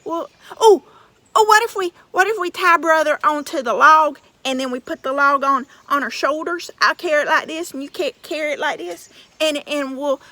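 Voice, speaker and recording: Two bumbling male giants, frantic and loud, put on by a woman storyteller. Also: high voice, normal speed, no echo. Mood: panicky. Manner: frantic, shouting.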